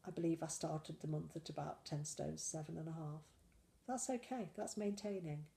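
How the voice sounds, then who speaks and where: A woman's voice: low-pitched, moderate pace, creaky, dark tone. A woman with a cold chatting in a casual weekly diet vlog, rambling and self-deprecating. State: full of cold. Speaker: slimming vlogger.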